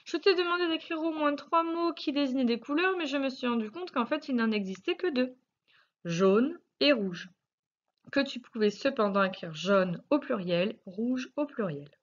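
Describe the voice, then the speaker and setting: A woman teacher with a French accent, slowly and patiently correcting a spelling lesson for young pupils, sounding out syllables. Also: high voice, lively intonation, highs cut off. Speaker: primary school teacher.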